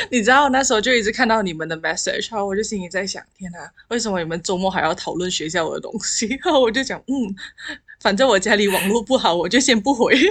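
A woman with a fairly high pitch and lively intonation talks very fast, her loudness swinging widely. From Malaysia. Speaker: marketing graduate, former international student. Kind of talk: casual chat.

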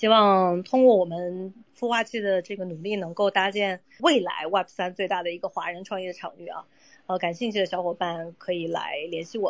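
This woman has a normal speaking voice at medium pitch, with fairly even intonation. She talks at a moderate pace, and her loudness swings widely. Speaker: podcast host. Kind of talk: Twitter Space panel discussion. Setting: online audio space.

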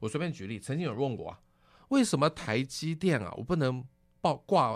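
A man's fairly high voice with very wide pitch swings, moderate pace and a very clean recording with a silent background. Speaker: financial author and investment educator. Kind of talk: interview.

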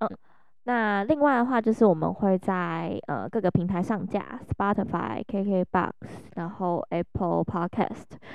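This woman's voice sits at medium pitch. Her pitch varies in an ordinary way. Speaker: podcast co-host. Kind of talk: casual chat.

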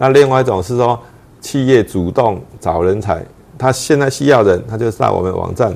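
Speaking at a moderate pace, a man uses an unremarkable speaking voice at medium pitch with ordinary pitch variation. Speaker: former university president. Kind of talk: casual interview.

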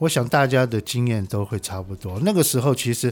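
With a Taiwanese accent, a man speaks at a medium pitch. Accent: Taiwanese Mandarin. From Taiwan, Taipei. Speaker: substitute radio host. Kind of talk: radio talk show.

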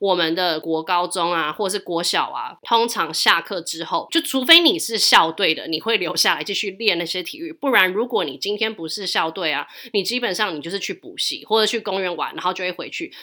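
An animated woman at medium pitch, fairly quick and with hardly any pauses, her pitch varying in an ordinary way. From Taiwan. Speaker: podcast host. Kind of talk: casual chat.

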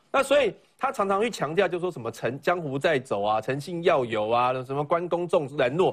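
Very wide pitch swings in a man's fairly high voice. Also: moderate pace, quiet background. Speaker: political commentator. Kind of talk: TV political talk show panel.

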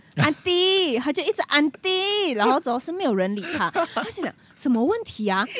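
A woman with a high-pitched voice talks at a moderate pace with hardly any pauses, her pitch swinging very widely. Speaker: former overseas student. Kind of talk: casual chat.

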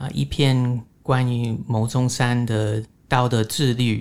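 The pace of this man's speech is very slow. He talks with a monotone, flat intonation. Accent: English. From United States. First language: English (speaking Chinese). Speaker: philosophy professor. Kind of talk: interview.

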